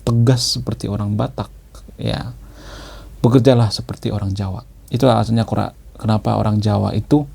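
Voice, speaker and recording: Gravelly, husky man explaining. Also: medium pitch, warm tone. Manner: chatty, repeats words for emphasis, ends phrases with "ya". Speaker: channel host. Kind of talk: casual explanatory monologue.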